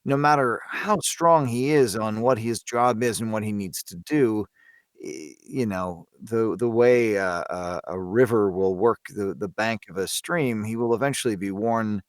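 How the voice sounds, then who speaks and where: A man chatting casually as a podcast panelist, halting and repeating words as he searches for his thought. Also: lowish voice, no room sound, clean studio sound. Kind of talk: casual interview chat.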